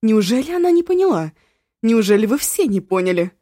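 A woman voicing a panicked young woman who shouts in shrill, desperate bursts. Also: fairly even intonation, moderate pace, no room sound, studio quality, close to an everyday voice. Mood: hysterical.

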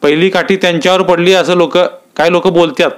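A man's voice: high voice, steady tone, fast, pitched above the performer's own voice, natural voice. A man voicing anxious rural villagers with rustic, worried speech.

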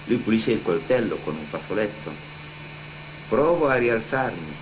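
Deep-voiced Senegalese man over a loud hum. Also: expressive, normal speed. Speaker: actor and cultural mediator. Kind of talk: first-person testimony told on stage in radio theatre. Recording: loud mains hum and noise.

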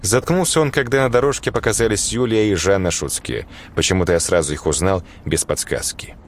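A man's voice: deep voice, brisk, a little hiss or hum. A man reading a first-person horror story aloud in a dry, sardonic, slangy way. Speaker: audiobook narrator.

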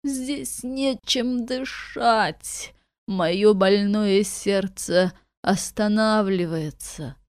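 A woman voicing a scheming, limbless male sorcerer trapped in a cellar, speaking slowly and wheedling, then hissing with spite in an audiobook. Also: medium pitch, fairly even intonation, warm tone, dry recording, studio quality, natural voice.

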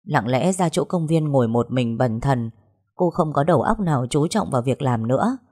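A woman reads a story aloud in a low, steady voice, measured and even. Her delivery is scripted, unhurried storytelling. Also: slightly rough. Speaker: narrator.

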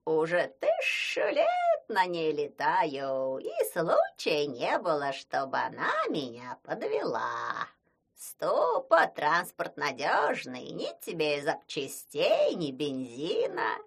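A woman voicing a boastful, fawning old witch with a husky, wailing voice. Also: low-pitched, huge pitch swings, slow pace, heavily acted. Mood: cackling. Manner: wailing, sing-song exclamations.

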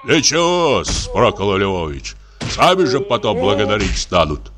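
A man voicing a rough, menacing male barber who talks in a gruff, bullying way. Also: on the low side, sing-song, a little slow, music in the background.

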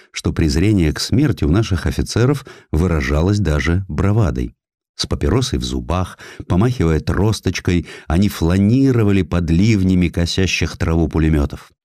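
A man reading a historical essay as an audiobook narrator, measured and declamatory, with deliberate pauses. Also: sits low, mellow, dry recording, clean studio sound.

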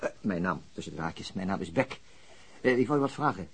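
An actor playing a polite, probing police detective with a hesitant way of questioning, in a radio drama. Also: male voice, deep voice, lively intonation, fairly quick, slightly rough. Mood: tactful, hesitant. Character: persistent, polite police detective on a murder case. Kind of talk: Dutch radio drama dialogue.

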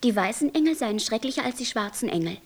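An actress playing a naive, questioning black angel in a German radio play, simple, wondering and gently reproachful. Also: female voice, on the high side, animated, quick pace. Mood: troubled wondering.

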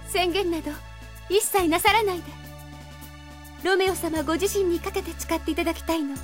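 A timid, earnest schoolgirl in an anime audio drama, with a very high, delicate voice. She speaks sweetly and politely, a little hesitant, over background music. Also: fairly quick. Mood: tender, theatrical. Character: shy, earnest teenage drama club girl, politely sweet.

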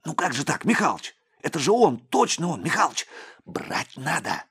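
A man's voice: medium pitch, normal speed, breathy edge, pitched above the performer's own voice, heavily acted. A man voicing a young, eager male police sergeant who pleads and gets worked up. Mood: pleading. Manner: pleading, excitable, whiny.

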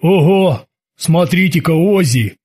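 A man's voice: high-pitched, animated, takes it slowly, heavily acted. Man playing a big panicky cowardly sailor. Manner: loud, alarmed, pleading.

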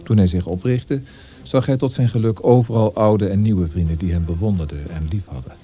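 A man's voice: sits low, brisk, warm tone, husky. A man reading literary scripted narration in a radio play. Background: music.

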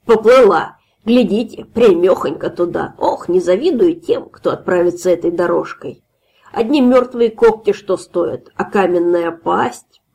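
A drunken, swaggering male guard with a slurred, taunting way of speaking, as a woman reads him aloud. The voice has a gravelly, husky edge. He boasts and jeers from an audiobook fairy tale. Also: lowish voice, measured pace, dark tone, full character voice. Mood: loud swaggering.

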